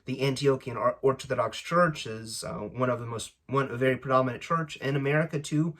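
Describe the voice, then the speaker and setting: A man speaking casually and unscripted as host of a language-learning channel, often halting as he searches for his words. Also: medium pitch, fairly bright tone. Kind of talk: casual unscripted introduction to camera.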